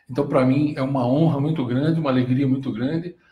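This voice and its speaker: This man's voice sits fairly high in pitch, somewhat breathy, with ordinary pitch variation. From Brazil, interior of São Paulo state. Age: 50s. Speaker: life coach. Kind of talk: live stream talk. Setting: live stream.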